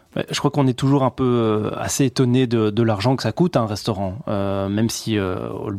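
An ordinary speaking voice from a man at medium pitch and a moderate pace, with ordinary pitch variation, hardly any pauses, and a dry, close sound with no echo. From Belgium, Brussels. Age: 30s. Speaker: restaurant owner and former footballer. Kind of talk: radio interview. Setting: studio.

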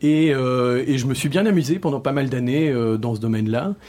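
Using an unremarkable speaking voice, a man at medium pitch speaks at a moderate pace with ordinary pitch variation. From Belgium, Brussels. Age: 40s. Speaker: restaurant owner. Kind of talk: radio interview. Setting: studio.

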